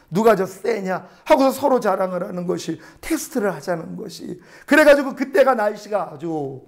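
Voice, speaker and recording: A male pastor preaching a sermon, telling stories and asking rhetorical questions, moving between loud emphasis and hushed asides. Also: high voice. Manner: storytelling with frequent rhetorical questions.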